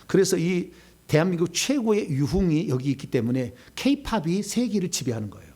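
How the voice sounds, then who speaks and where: A middle-aged man preaching a sermon as a pastor, swinging between loud bursts and quiet asides. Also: high-pitched, very animated, brisk, breathy edge.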